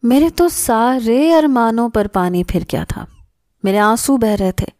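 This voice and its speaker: A woman narrating an emotional first-person story, with a regretful, heartfelt way of telling it. Her voice is dark and mellow, and the recording is dry and close, with no room around it. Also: on the high side, expressive, no echo.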